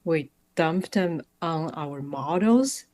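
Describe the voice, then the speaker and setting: A woman's voice: deep voice, animated, takes it slowly, darkish tone. A woman improvising a cheeky painter with a sly, drawling delivery. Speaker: improv performer.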